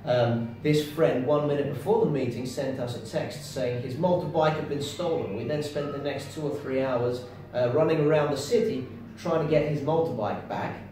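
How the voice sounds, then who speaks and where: A man's voice: mid-range voice, moderate pace, hardly any pauses, mellow, very echoey, recorded from a distance, poor audio. A man from England, co-hosting a casual chat about learning languages with dry, self-deprecating humor. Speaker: co-host.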